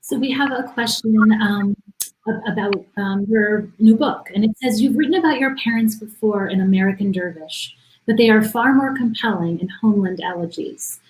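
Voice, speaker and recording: A woman's voice: medium pitch, moderate pace, low-quality recording. A woman acting as moderator, reading audience questions aloud to the guests.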